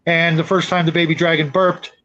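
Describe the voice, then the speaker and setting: High-pitched man on a muffled mic. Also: flat delivery, fairly quick, a bit bright. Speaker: podcast panelist. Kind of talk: casual explanatory discussion. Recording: dull lo-fi mic, clear background noise.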